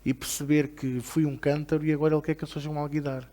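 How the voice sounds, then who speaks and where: A man preaching a Bible study in European Portuguese, his voice sitting a little high. He talks to the congregation with frequent rhetorical questions and moves into a reverent prayer. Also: flat delivery, fast talker, dark tone. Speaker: pastor.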